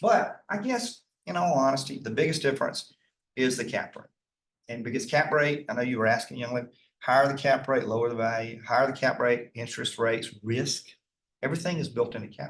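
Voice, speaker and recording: Talking at a fairly quick pace, a man uses a medium pitch with ordinary pitch variation. His loudness swings widely. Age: 60s. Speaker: property appraiser representing an owner. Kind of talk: public hearing testimony. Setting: public board meeting. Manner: halting, repeats words.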